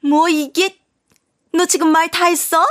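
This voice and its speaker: A woman's voice: a little high, normal speed, close to an everyday voice. A woman voicing a scornful, bossy old mother-in-law who scolds in disbelief.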